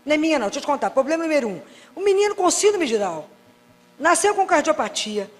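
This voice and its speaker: A Catholic doctor giving a faith talk, telling anecdotes and acting out dialogues with wry humor. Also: female voice, high voice, big pitch swings, fast, in a large hall. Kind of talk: preaching talk with lively anecdotes.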